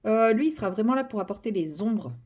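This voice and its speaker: Young woman vlogger rambling about her coloring, lots of euhs, mid pitch, mellow voice. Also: lively intonation, fast. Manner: rambling, many fillers and restarts, self-mocking. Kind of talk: casual chat while coloring.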